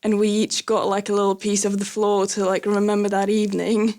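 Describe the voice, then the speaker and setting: A young adult woman whose first language is Lithuanian, telling a personal story as a podcast guest, hesitant with many fillers and soft laughs. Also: mid-range voice, monotone, brisk. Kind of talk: casual conversational storytelling.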